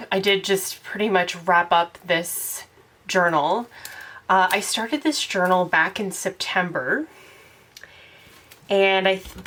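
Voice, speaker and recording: A woman's voice: on the low side, a bit bright. A young woman with a congested voice from a cold, chatting casually as host of her own channel. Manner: chatty, rambling, laughs often. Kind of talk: casual chat to camera.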